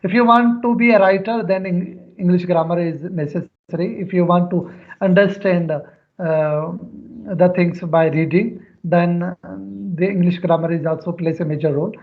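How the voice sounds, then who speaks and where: A Pakistani man, Sindhi by first language, answering questions in careful, earnest English with frequent hesitations. His voice sits notably high. The audio comes over a muffled, lo-fi online call. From Pakistan, near Karachi. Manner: earnest, careful, pausing often with filler sounds. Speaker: guest, schoolteacher. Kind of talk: casual English practice conversation.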